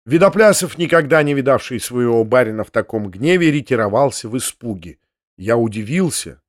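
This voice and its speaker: Brief: male narrator, mid pitch, measured literary reading, dry booth sound. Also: lively intonation, no room sound. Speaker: audiobook reader.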